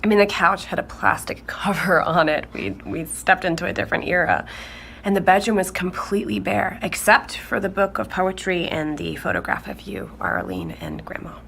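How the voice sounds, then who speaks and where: A grown daughter gives a measured, matter-of-fact interview in an audio drama. She speaks fairly low with a clear vocal fry, over faint noise. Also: animated, a bit bright. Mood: reflective, matter-of-fact. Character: matter-of-fact grown daughter recalling a relative's eerie house.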